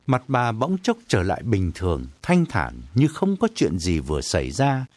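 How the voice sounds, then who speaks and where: A man narrating a story in an expressive, dramatic reading. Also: on the low side, moderate pace, no echo. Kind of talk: audiobook narration.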